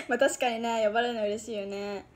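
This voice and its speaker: A woman's voice: on the high side, steady tone, fairly quick. A young woman hosting a casual livestream, chatting with viewers and reading their comments, giggling often. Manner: giggly, bubbly, laughs often. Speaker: idol livestream host.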